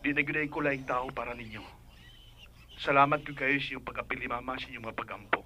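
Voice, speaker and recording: An actor playing a gentle, grateful and devout younger priest with a Bisaya accent, respectful and earnest, in a radio drama. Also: male voice, medium pitch, fairly quick, slight background noise. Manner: respectful, soft-hearted, earnest.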